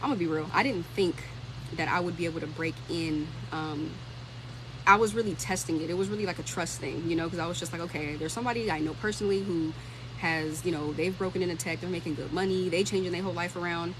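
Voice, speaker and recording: A woman's voice: lowish voice, steady tone, fast. Thirty-year-old woman chatting casually, noisy background. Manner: informal, conversational, thinking aloud. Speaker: livestream host and tech career content creator. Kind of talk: casual livestream chat, answering comments.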